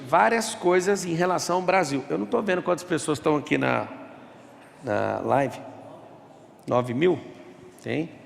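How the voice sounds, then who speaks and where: In an auditorium, a man on the high side with vocal fry delivers a forceful motivational talk and answers questions from the crowd. Emphatic and rhetorical, he mimics the voices of people he quotes, and his words trail off in a long reverb tail.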